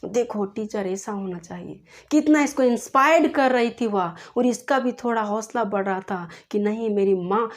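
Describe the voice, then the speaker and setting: A woman teacher retelling a story for a class in an animated, repetitive way. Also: mid-range voice. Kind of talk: storytelling lesson.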